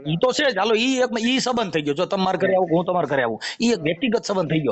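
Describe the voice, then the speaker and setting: A man's voice: high-pitched, a bit bright. A man with a Saurashtra Gujarati accent in a recorded phone call, arguing insistently and explaining at length. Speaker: caller, former folk shaman. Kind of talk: argumentative phone conversation.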